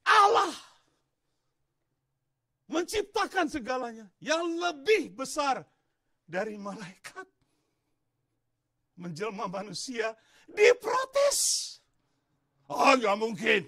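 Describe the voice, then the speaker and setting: A man from Indonesia, a pastor, preaching a sermon in an animated way, rising into shouts and turning aside to talk to the congregation. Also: very high-pitched, takes it slowly, long pauses, breathy edge. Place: church.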